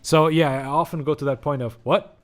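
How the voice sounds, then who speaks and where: A man's voice: on the high side, steady tone, a little fast. A young Portuguese man with a Portuguese accent, rambling and joking as he streams a game. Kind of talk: let's-play commentary.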